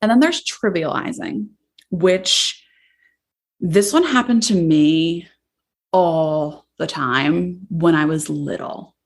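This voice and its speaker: A woman therapist hosts a podcast, speaking casually and with passion in a voice that carries loudly. Her voice is low, and she talks slowly with lively intonation.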